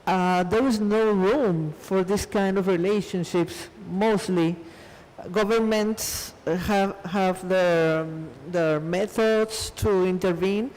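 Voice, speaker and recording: A man's voice: high-pitched, fairly even intonation, takes it slowly, a little mellow, clean tone, long reverb tail, poor audio. A man answering on a panel, hesitant and often restarting his phrases.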